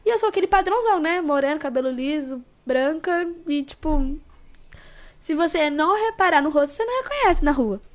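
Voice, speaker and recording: A woman's voice: high voice, lively intonation, fairly quick. A young Brazilian woman with a São Paulo accent and a small, cartoon-like cute voice, chatting casually in streetwise slang as an interview guest. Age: young adult. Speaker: interview guest, social media personality.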